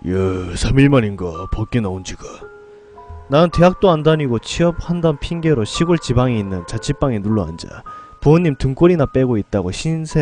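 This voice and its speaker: A man's voice: mid-range voice, warm tone. A man narrating a first-person horror tale in a dramatic, scripted storytelling style.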